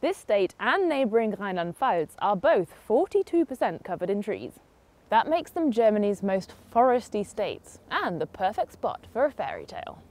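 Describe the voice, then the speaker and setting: A woman's voice: medium pitch, sing-song, normal speed. A woman hosting a travel documentary, reading a wry and upbeat scripted voice-over. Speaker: travel show host. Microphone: studio voice-over. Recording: voice-over over loud music.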